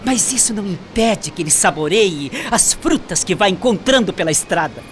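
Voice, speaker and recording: A man's voice: high-pitched, expressive, normal speed, soft background music. An actor in a radio drama playing an arrogant young male shop clerk who taunts and laughs mockingly. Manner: sneering, laughs often, taunting.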